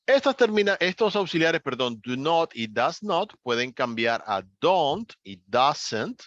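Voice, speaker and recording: A man's voice: a little high, very animated, normal speed, fairly bright tone, no room sound. A man teaching English grammar in an online class, explaining patiently step by step and lifting his voice on key words. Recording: dull, slightly lo-fi dry recording.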